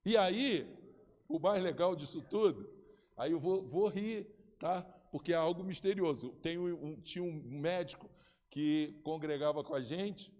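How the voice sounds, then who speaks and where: A Brazilian pastor in his fifties with a Brazilian Portuguese accent, preaching an animated, joking sermon with acted-out voices in a church. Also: a little high, a little slow. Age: 50s. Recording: long reverb in a large hall.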